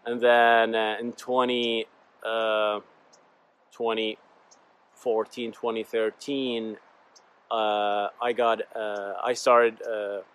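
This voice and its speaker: A Bahraini man in his thirties, a native Arabic speaker with an Arabic accent, hosts a solo podcast, telling personal stories in a casual, rambling way and calling his listeners "guys." His voice is fairly low and bright with a clean tone, and he speaks slowly with little pitch movement.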